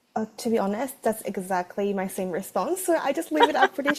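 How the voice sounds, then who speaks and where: A woman talks at a fairly quick pace, her pitch swinging very widely, with noticeable background noise present. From Japan, then Hawaii and New Zealand. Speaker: lawyer. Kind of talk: interview. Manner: hesitant with fillers.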